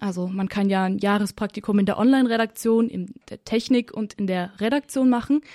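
A woman talks at a fairly quick pace with a dark, mellow tone and ordinary pitch variation. The recording is very clean with a silent background and a dry, close sound with no echo. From Baden-Württemberg, Germany (Bühl near Baden-Baden). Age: 20s. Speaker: radio intern. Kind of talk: interview.

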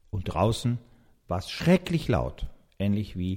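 A somewhat breathy male voice comes through on a very clean recording with a silent background. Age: 50s. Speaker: parish priest. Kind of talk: explaining to children. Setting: parish hall.

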